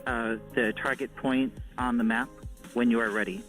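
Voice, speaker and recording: A man's voice: medium pitch, steady tone, normal speed, fairly bright tone, soft background music, low-quality recording. A man giving a terse radio update as a mission control operator, speaking procedurally with call signs. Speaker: mission control operator reporting to flight lead.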